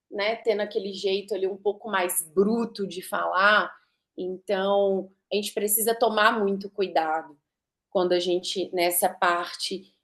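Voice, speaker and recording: A woman giving a live online talk, conversational, asking her audience rhetorical questions and shifting her pace and emphasis to demonstrate. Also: mid-range voice. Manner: varies pace and emphasis to demonstrate vocal technique. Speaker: speaker giving a talk on communication and sales.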